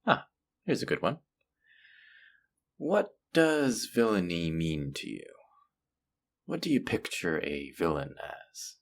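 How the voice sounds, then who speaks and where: Male actor as feared supervillain, gravelly, swooping intonation, businesslike, dry amusement, condescending, audio roleplay. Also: deep voice, very animated, heavily acted. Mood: probing, dry. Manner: theatrical, dry, politely condescending, drawn-out pauses. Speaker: supervillain interviewing a job applicant. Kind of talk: audio roleplay acting, addressing the listener.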